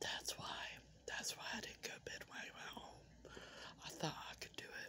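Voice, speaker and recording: Whispering and soft-spoken at a moderate pace, the voice comes over light background noise. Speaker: vlogger. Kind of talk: casual vlog chat. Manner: soft ASMR whisper. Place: home room. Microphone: phone near.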